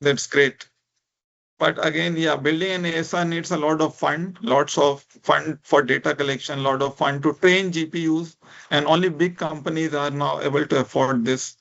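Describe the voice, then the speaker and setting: A man's voice: a little high, fairly even intonation, moderate pace, vocal fry, fairly bright tone, highs cut off. A man from India with an Indian accent, speaking English as a second language, giving an informal, encouraging interactive online lecture and often checking in with "right?". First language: a minority language of India. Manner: informal, encouraging, repeats "right?" and "you know". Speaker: lecturer, speech technology researcher.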